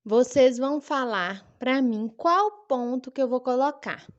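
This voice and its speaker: A woman teaching a children's lesson, speaking slowly and clearly in a sing-song manner for young kids. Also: sits high, lively intonation, highs cut off. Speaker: primary school teacher. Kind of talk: recorded online lesson for children.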